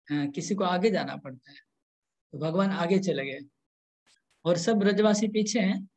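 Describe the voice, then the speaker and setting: A man giving a scripture lecture, explaining slowly in short pieces with restarts, and chanting verses. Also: sits high, darkish tone, rough recording. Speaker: spiritual lecturer.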